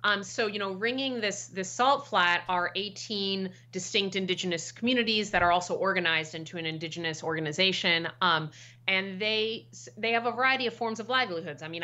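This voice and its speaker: A woman's voice: medium pitch, bright, forceful tone, lo-fi sound. A middle-aged American woman, a professor guest, explaining at length in a podcast interview and often checking in with "right?". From United States. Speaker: guest expert, political science professor.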